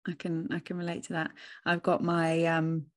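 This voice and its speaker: A woman in her thirties hosting a relaxed, thoughtful chat over a video call, speaking into a studio microphone with headphones on at home. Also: low-pitched, moderate pace. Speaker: host. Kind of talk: casual conversation. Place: home room with bookshelves, indoors. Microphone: studio mic with headphones on a video call.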